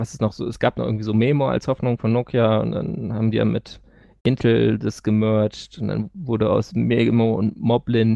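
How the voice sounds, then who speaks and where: The man has a normal speaking voice, medium in pitch, at a moderate pace. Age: 30s. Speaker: podcaster and Linux enthusiast. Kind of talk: casual chat.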